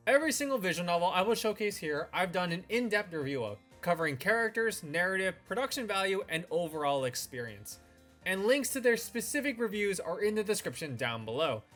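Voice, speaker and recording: A man with a slightly high voice delivers semi-scripted review commentary as a video host. He speaks as a reviewer walking an audience through his opinions, with music playing faintly behind his voice. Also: sing-song, fairly quick, a bit bright.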